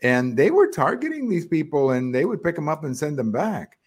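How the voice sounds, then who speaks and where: A male political talk host who questions his guest with open disbelief. His voice is a little husky. His pitch rises and falls a lot as he talks. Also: normal speed. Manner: animated, incredulous questioning.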